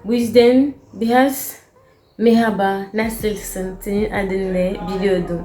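A young woman with a Cameroonian accent tells stories casually to her viewers in a foreigner's broken Turkish. She searches for words as a non-native learner does. The room has a clear echo, with faint music behind her voice. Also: medium pitch, steady tone, slow, warm tone. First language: not Turkish, a foreign learner. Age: young adult. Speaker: vlogger.

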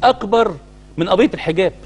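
Egyptian sheikh going off on a talk show, high voice, talks super fast, keeps hammering questions. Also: male voice, darkish tone, slightly rough. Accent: Egyptian Arabic. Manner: indignant, hammering rhetorical questions. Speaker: Muslim cleric co-host. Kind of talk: heated studio talk-show commentary.

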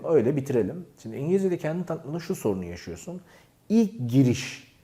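Speaking directly to the camera, a man doles out self-improvement tips in a lively, playful manner. He acts out small examples, letting his pitch rise and fall sharply, and his voice has a dark, mellow quality.

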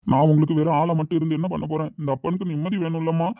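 A man with a highish voice plays an aging father grieving and guilt-ridden over his daughter, earnest and tender in an amateur family drama. He speaks very fast with little pitch movement, close to his everyday voice, sorrowful in mood. The recording is dull and lo-fi, with no echo.

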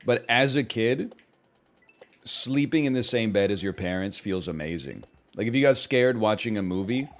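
A man in his thirties riffing casually while streaming games, animated and swinging between loud and quiet for comic bits, on a headset mic at home. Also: lowish voice. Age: 30s. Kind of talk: casual gaming stream chat. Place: small room at home.

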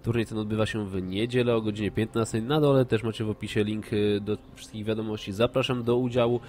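A man's voice: lowish voice, fairly even intonation, quick pace, a little mellow. A Polish man with a congested, nasal voice from a cold, speaking informally and a little hesitantly as a streamer making announcements to viewers. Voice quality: congested, nasal from a blocked nose. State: has a cold with blocked nose. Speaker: gaming streamer. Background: music.

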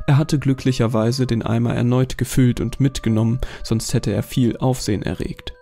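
A man narrating a scripted horror story in a calm, measured way. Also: medium pitch, gravelly. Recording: voice over faint music.

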